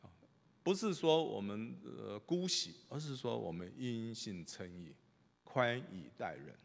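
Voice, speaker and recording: A middle-aged man, a pastor, preaching a sermon with animated storytelling, swinging from loud bursts to hushed asides. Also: mid-range voice, measured pace, gravelly. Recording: long reverb of a large hall.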